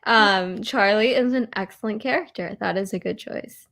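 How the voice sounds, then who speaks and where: A woman's voice: medium pitch, normal speed, gravelly, fairly bright tone. A young American woman co-hosting a casual book chat, informal and playfully self-deprecating. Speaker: co-host of a book discussion live stream. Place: in bed at home.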